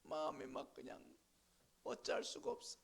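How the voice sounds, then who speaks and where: A man's voice: on the high side, normal speed, creaky, breathy edge. A male pastor giving a sermon in church, prodding the congregation for responses and acting out the voices in the story. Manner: animated preaching, asks the congregation for responses, acts out voices.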